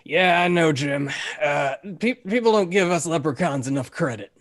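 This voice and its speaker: A woman's voice: low voice, expressive, moderate pace. A woman improvising as an anxious female leprechaun, stammering through complaints on a theater stage. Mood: complaining. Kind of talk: improv comedy scene.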